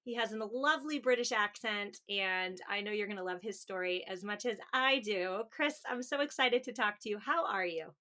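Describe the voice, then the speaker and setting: A woman's voice: mid-range voice, normal speed, hardly any pauses, pushed and bright. An American woman hosting a podcast, speaking in an upbeat, chatty interview style. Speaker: podcast host.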